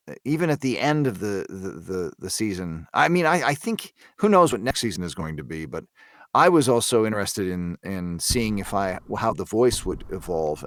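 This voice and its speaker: A man speaking as an interview guest, thinking aloud in a halting, reflective way with repeated words. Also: low voice, dry recording, clean studio sound. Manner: hesitant, thoughtful, halting delivery with repeated words.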